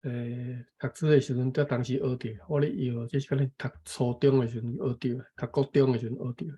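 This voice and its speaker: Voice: mid-range voice, level tone, a little fast, warm tone, breathy edge. A speaker from Taiwan reading a text aloud and explaining it, careful and correcting pronunciation syllable by syllable. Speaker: co-host and reading teacher.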